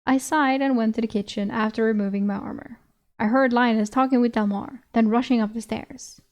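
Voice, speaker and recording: Woman, fairly high voice, giggly novel reader, chatty asides. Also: fairly even intonation, fairly quick, darkish tone. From Sweden. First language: Swedish. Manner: giggly, breaks off to laugh and comment. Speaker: streamer reading a novel aloud. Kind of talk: novel reading with chatty commentary.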